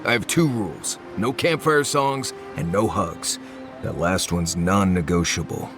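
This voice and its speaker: A man playing a gruff, sardonic adventuring companion in a video game, blunt with a dry wit. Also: deep voice, a little slow, over music. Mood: gruffly teasing. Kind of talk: video game character acting.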